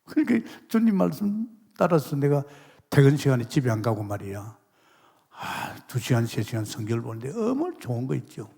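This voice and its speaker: A middle-aged man preaching from the pulpit of a large church, his slightly husky voice carried by long hall reverb. He swings between emphatic exclamations and hushed asides as he tells his testimony, acting out the voices of the people in his story. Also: mid-range voice, very animated, fairly quick. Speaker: pastor. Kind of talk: sermon.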